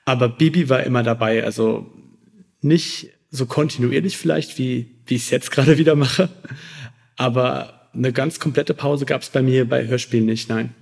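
Man with a creaky voice. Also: medium pitch, fairly even intonation, moderate pace, a little mellow. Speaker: podcast guest. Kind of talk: casual chat.

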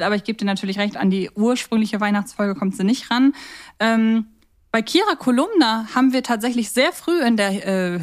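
Higher-voiced woman chatting enthusiastically. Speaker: podcast co-host. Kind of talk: casual chat about children's audio dramas.

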